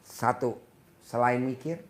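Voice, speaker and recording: A man's voice: mid-range voice, takes it slowly. Man giving spiritual advice, echoey room. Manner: speaks directly to a woman, acting out sample prayers. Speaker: spiritual advisor. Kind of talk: casual counseling talk.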